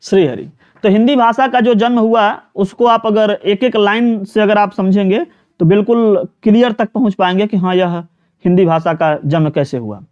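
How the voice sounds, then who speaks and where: A man's voice: high voice, moderate pace, darkish tone, smooth, lo-fi sound. A man from teaches a live online exam-prep class. He talks students through each question, repeats words and keeps asking them for answers, with plenty of fillers. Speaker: Hindi teacher.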